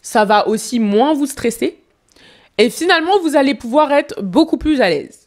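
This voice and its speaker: A woman's voice: high-pitched, lively intonation, moderate pace. A woman public speaking coach commenting on a televised interview, giving advice straight to the viewer. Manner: advising, direct to viewer. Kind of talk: speech analysis commentary.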